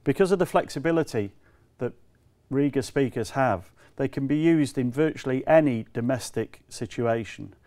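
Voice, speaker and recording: A man presents products to camera in a measured, explanatory way, stressing key words. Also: medium pitch, dark tone. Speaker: company representative presenting products.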